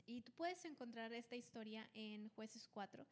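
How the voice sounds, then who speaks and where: A woman talks through a Bible passage for her podcast listeners. Her voice sits a bit high, and she tells the story eagerly, often restarting sentences mid-thought. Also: normal speed. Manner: lively storytelling with frequent restarts. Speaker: podcast co-host. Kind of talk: casual Bible study chat.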